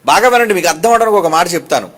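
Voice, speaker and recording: Male pastor, high voice, animated sermon delivery, heavy on rhetorical questions. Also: very fast. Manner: preaching with rhetorical questions and repeated asides to the crowd; emphatic and animated.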